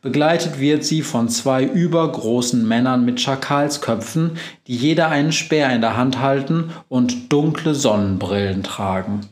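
Slow expressive male storyteller. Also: mid-range voice, echoey room. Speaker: narrator. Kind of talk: children's story reading.

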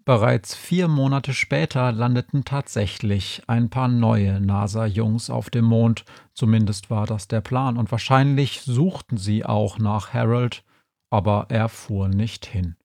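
A man's voice: medium pitch, unhurried, creaky, darkish tone, no echo, studio quality. Man reading a humorous story.

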